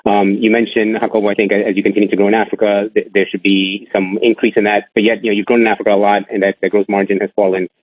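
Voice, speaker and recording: A man asking questions as an analyst on a business call, polite, with a halting, hesitant delivery. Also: fairly low pitch, flat delivery, no echo. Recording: narrow, tinny phone line, dry.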